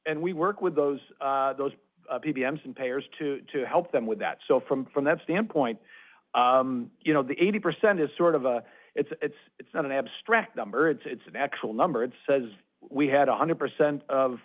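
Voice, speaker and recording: A man speaking as a senior company executive, giving measured, explanatory unscripted answers on an earnings call. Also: medium pitch, phone-quality sound.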